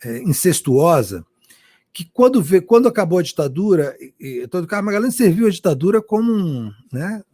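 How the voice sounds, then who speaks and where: A man's voice: high-pitched, big pitch swings, a little fast, mellow, no room sound, studio quality. A Brazilian man, a journalist answering interview questions passionately, often restarting and repeating words. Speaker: journalist guest.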